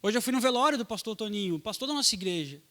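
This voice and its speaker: A young pastor preaches in a loose, slangy way, talking straight to young people. His voice sits high and sounds bright and forward. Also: animated, very fast. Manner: casual slangy preaching, talks to youth. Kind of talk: sermon.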